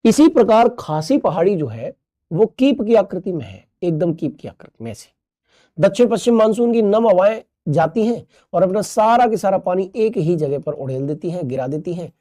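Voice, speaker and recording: A man's voice: high-pitched, very animated, normal speed, dark tone, no room sound, clean studio sound. A male teacher giving a recorded class, playful, repeating key terms and asking the class questions. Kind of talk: recorded online class lecture.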